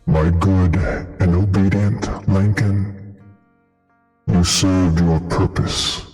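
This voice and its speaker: A man game master voicing a monstrous female bone creature through a deep voice changer that makes him sound muffled and underwater, speaking in slow, solemn pronouncements. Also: fairly even intonation, darkish tone, faint music behind. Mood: cold commanding. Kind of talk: voicing a figure in a tabletop game. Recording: voice changer with long reverb.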